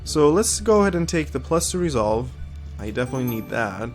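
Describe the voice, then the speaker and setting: A man's voice: mid-range voice, very animated, brisk, soft background music. Sniffly man thinking aloud over a game. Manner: thinks aloud, reads game text, many ums. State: sniffly with a cold. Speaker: gaming video host. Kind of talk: casual let's-play commentary.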